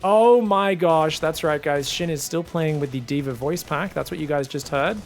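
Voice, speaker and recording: A young man casting a strategy game live. His voice is high for a man with plenty of creak, and he talks casually and excitably to his viewers over music. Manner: animated, informal, addresses viewers as guys. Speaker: esports commentator.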